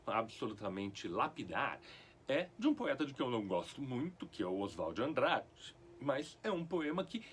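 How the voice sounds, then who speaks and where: Brazilian man, middle-aged, lecturing on poetry; slow pace, lively pitch, faint hiss behind. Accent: Brazilian Portuguese. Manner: lively, expressive, slow and deliberate. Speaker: literature lecturer. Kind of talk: explanatory talk on poetry.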